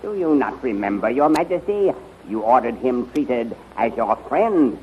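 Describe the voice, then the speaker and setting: A muffled, faintly noisy old radio recording carries a middle-pitched male general. He is deferential and formal toward royalty, yet theatrical and easily worked up. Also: big pitch swings, a little slow. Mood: flustered, deferential. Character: loyal, excitable male general serving a queen. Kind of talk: 1930s radio serial acting.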